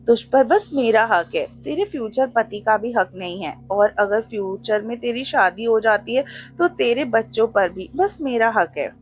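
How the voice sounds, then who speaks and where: A woman's voice: fairly high pitch, husky, full character voice. A woman voicing a jealous, possessive young female college friend who sulks and accuses, with faint music behind. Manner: sulking, accusing, clingy.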